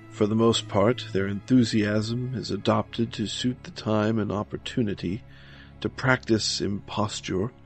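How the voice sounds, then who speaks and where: A man reads a gothic horror story with brooding, theatrical phrasing. His voice sits low with plenty of fry, and he takes his time. Quiet music runs underneath. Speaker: narrator. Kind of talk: dramatic gothic horror audiobook narration.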